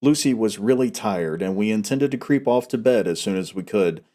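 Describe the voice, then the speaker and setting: A man's voice: fairly low pitch, animated, normal speed, dark tone. A man hosting a novel read-aloud, talking casually and reading in an audiobook style. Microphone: headset.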